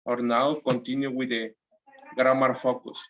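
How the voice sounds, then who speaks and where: A man with a Mexican Spanish accent, teaching English from a textbook and reading the lines slowly with restarts. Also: medium pitch, level tone, dull audio. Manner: reads slowly, with restarts and nonstandard grammar. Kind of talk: textbook lesson, repeating audio lines.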